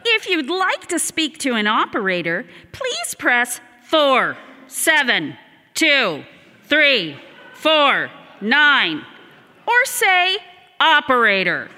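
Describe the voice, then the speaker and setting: A woman's voice: high-pitched, wildly swooping pitch, slow, pushed and bright, big-room sound, heavily acted. A woman doing a chirpy phone-menu robot voice. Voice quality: polished recorded-message delivery. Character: automated phone-menu voice, woman, cheerful and rigid.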